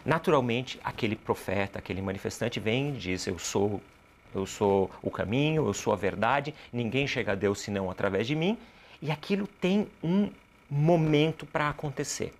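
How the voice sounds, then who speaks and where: Brazilian man, explaining didactically. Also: mid-range voice. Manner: didactic, poses rhetorical questions and answers them. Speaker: interview guest, cultural producer and activist. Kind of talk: explanatory talk in an interview.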